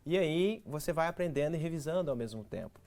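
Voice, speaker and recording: A man's voice: a little high, lively intonation, fast talker, darkish tone. A Brazilian man with a Brazilian Portuguese accent, an English teacher giving didactic, step-by-step advice as a guest in a TV studio interview. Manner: didactic, explains step by step with practical tips.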